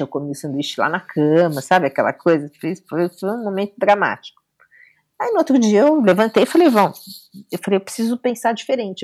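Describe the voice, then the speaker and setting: A middle-aged woman, a guest telling a personal story casually and acting out the dialogue. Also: lowish voice. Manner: animated, acts out quoted dialogue.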